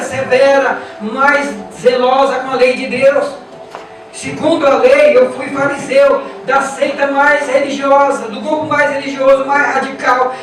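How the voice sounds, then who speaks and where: A man's voice: extremely high pitch, recorded from a distance. A Brazilian man preaching a sermon with a Brazilian Portuguese accent, emphatic and repetitive, putting rhetorical questions to his congregation. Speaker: pastor. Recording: echoey church from afar with music.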